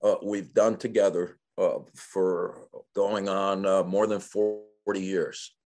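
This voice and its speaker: A man in his sixties with a fairly low voice speaks as a podcast guest over a video call. He explains his ideas in an easygoing way. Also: level tone, takes it slowly. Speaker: guest professor. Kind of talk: interview answers.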